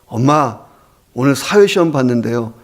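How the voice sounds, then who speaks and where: A man's voice: medium pitch, animated, moderate pace, lightly acted. A male pastor voicing a cheeky young boy who answers with chirpy, stubborn replies. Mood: cheerful.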